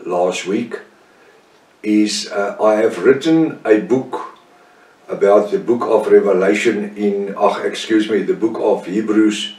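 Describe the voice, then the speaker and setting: An older man from South Africa with an Afrikaans-tinged accent, leading a Bible study with slow, deliberate delivery, pausing on fillers and correcting himself. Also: lowish voice, a little mellow, echoey room, recorded from a distance, low-quality recording. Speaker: Bible teacher.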